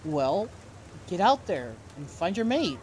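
A man's voice: high voice, big pitch swings, takes it slowly, a little mellow, slight background noise, exaggerated voice. A man playing a teasing, upbeat werewolf friend in his twenties in an audio drama. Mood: encouraging.

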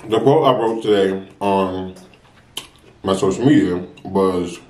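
A young American man chatting casually and earnestly to viewers while eating, unhurried between bites. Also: sits low, a little mellow. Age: young adult. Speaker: mukbang vlogger. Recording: roomy, echoey sound.

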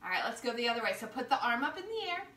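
A woman's voice: a little high, sing-song, rapid-fire, pushed and bright. A woman leading a yoga class with playful, informal, encouraging step-by-step cues, recorded from across a living room. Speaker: yoga instructor. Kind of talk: guided yoga class instruction. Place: living room at home, indoors. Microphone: far camera across the room. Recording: roomy home sound, distant camera mic.

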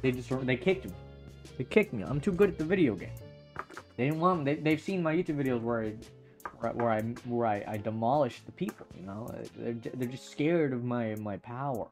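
A man doing casual Minecraft gaming commentary, excitable, swearing often and stammering through restarts. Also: mid-range voice, brisk, faint music behind. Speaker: Minecraft YouTuber.

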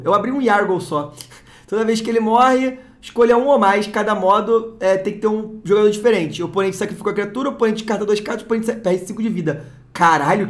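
A Brazilian-accented channel host giving casual unboxing commentary, excitable, swearing and repeating exclamations. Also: medium pitch. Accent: Brazilian Portuguese. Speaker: card-opening channel host.

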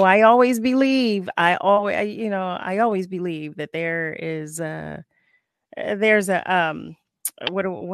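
A woman in her forties hosting a radio talk show, chatty and quick to jump in, speaking into a studio mic. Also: fairly low pitch, dry recording. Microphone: headset with studio mic.

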